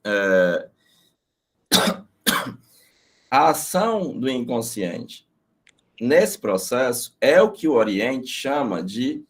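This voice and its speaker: A middle-aged man teaching an online class in a casual, storytelling way. His pitch swings lively up and down, and he curses freely as he explains. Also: very slow, pauses often. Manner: animated storytelling, casual and profane.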